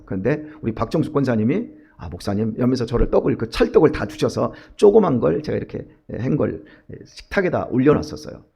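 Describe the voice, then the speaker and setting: A male pastor preaching an early-morning sermon, telling a personal story and acting out his own thoughts and prayers with animated delivery. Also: mid-range voice, creaky, breathy edge.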